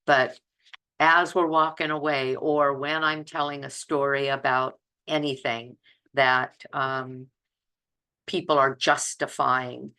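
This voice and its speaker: A woman's voice: rumbling low, level tone, slow pace, bright, forceful tone. A woman in her seventies chatting informally to online viewers as a presenter, conversational and emphatic, repeating phrases for stress. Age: 70s. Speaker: plant-based diet presenter and group leader.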